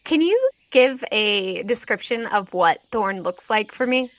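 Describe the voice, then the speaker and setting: A woman's voice: medium pitch, lively intonation, a little slow, no echo. Female host and game master, mid-range voice, descriptive tabletop story narration. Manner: descriptive, scene-setting.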